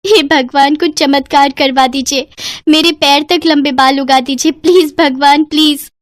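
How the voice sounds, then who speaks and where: A woman's voice: high-pitched, steady tone, unhurried, dry recording, studio quality. A woman voicing an unloved young woman who pleads tearfully in a cartoon story. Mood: pleading.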